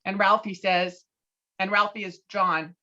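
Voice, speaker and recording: A woman's voice: mid-range voice, steady tone, a little slow, bright, forceful tone. A woman reading scripted stage directions and scene headings for a table read over a video call. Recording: dull, lo-fi online call audio.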